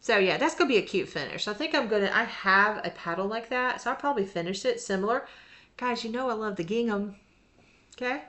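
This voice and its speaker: A woman's voice: mid-range voice, lively intonation, fairly quick, a bit bright. A woman in a casual, rambling show-and-tell vlog about her cross-stitch projects, laughing often as she talks.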